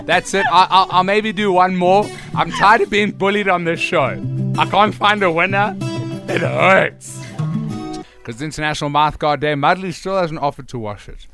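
A man's voice: high-pitched, moderate pace, over music. A man hosting casual radio banter with a mouthguard in, lips stretched, sounding slightly muffled with a little whistle. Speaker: radio show host.

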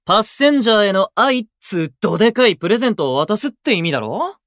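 An actor playing a brash, cocky young male idol in a Japanese voice drama, with blunt, swaggering, rough speech. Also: high voice, sing-song, fast, a bit bright, dry recording, studio quality, exaggerated voice. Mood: teasing, irritated. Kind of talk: Japanese anime-style voice drama acting.

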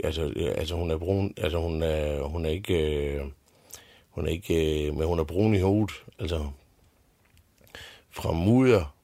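A Danish man with a very low, gravelly voice retells a fairy tale as a bedtime story. He rambles, swears and restarts his sentences constantly. The sound is close and dry. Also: warm tone, dry recording. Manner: crude, swearing, full of fillers and restarts.

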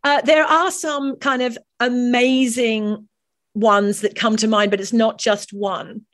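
A woman's voice: fairly high pitch, slow pace. Chatty Australian-raised woman singer. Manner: chatty, animated storytelling with frequent restarts. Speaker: professional singer and guest. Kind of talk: casual interview chat.

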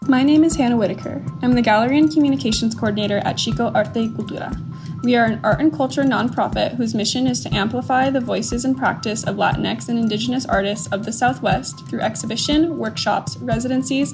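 Fast-talking woman over clear music. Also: fairly high pitch. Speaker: gallery coordinator. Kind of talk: scripted statement.

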